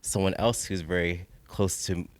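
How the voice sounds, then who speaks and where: Deep-voiced male podcast host. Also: fairly even intonation, normal speed, no room sound. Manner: encouraging, affirming interjections. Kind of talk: casual panel chat.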